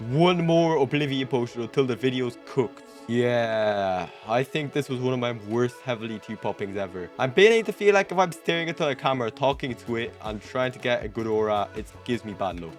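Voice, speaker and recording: A man's voice: medium pitch, fairly quick, hardly any pauses. A young adult man giving casual gameplay commentary to camera as the host of a gaming video. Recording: music behind the voice.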